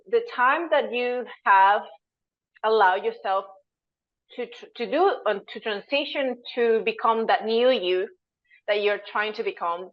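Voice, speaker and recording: A woman's voice: fairly high pitch, muffled recording. A woman in her thirties from Venezuela, answering as a dietitian guest in an interview. She explains things earnestly and sometimes searches for the right words.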